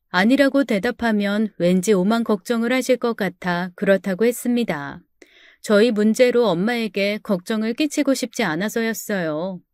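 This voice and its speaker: A woman's voice: medium pitch, a little mellow, clear, resonant tone, no room sound, studio quality. A woman narrating her own story in a confiding, first-person storytelling manner.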